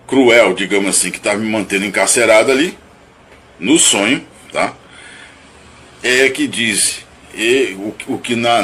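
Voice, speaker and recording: Bright-toned, halting man musing aloud. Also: medium pitch, a little hiss or hum. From Brazil (Rio de Janeiro). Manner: halting and searching, with many restarts and repeated words; thoughtful, hedging, self-analytical. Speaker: narrator recounting and analyzing his own dream. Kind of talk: reflective spoken monologue.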